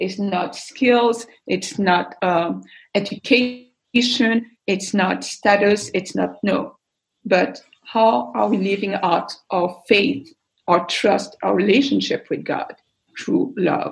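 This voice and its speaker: A woman's medium-pitched voice with vocal fry, ordinary pitch variation and a very slow pace. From Belgium (Brussels), Haitian parents. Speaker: campus ministry leader. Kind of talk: interview.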